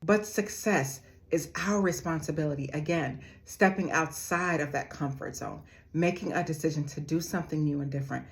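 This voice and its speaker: A woman with a notably deep, low-pitched voice delivers a motivational talk straight to her viewers. She speaks earnestly and addresses them like family. She slows down to repeat her key phrases for emphasis. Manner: calls her audience "family".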